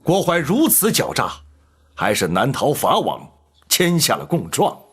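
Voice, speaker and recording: An actor playing a courteous, approving palace eunuch official in a period drama, measured and polite. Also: male voice, medium pitch, huge pitch swings, husky, heavily acted. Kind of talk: theatrical Chinese period drama acting.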